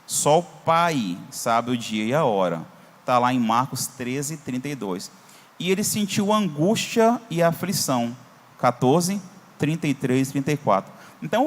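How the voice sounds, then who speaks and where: Brazilian pastor teaching in a reverberant church hall. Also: male voice, fairly high pitch. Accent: Brazilian Portuguese. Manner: conversational, asks for verses on screen, frequent "tá?". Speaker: Sunday school teacher, pastor. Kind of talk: Bible class teaching.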